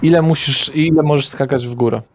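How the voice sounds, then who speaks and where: A man's voice: fairly high pitch, a little fast, a little hiss or hum. A man as game master, describing scenes loosely with fillers and self-corrections, on a home mic. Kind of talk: narrating a tabletop game.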